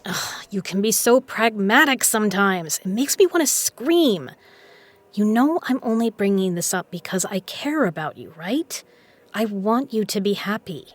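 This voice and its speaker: A woman's voice: mid-range voice, expressive, unhurried. Confident, frank woman played by an actress in an audio drama. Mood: caring, insistent. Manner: teasing, frank, coaxing. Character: confident, teasing, caring woman poker player, the man's cousin.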